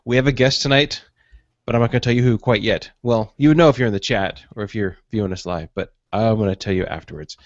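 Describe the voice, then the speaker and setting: A man's voice: lowish voice, fast, no echo. A man hosting a tech podcast, talking in a chatty, joking, rambling way. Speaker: podcast host. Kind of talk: casual chat. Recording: dry, slightly dull home recording.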